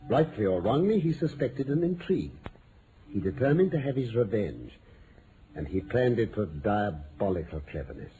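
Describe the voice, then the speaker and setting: A self-assured British detective in an old radio mystery. His mellow voice moves freely up and down as he lays out his reasoning with theatrical precision. The old broadcast recording carries some noise. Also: fairly low pitch, big pitch swings, normal speed, lo-fi sound. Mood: grave, dramatic. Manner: theatrical, articulate, lecturing. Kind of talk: 1940s-50s radio mystery acting.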